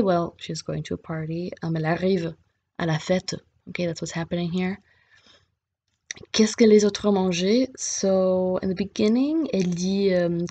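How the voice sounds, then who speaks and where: A woman's voice: on the low side, a little mellow, slightly rough. A woman giving a casual French listening lesson, mixing English explanations with French and reading a book passage aloud. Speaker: French teacher.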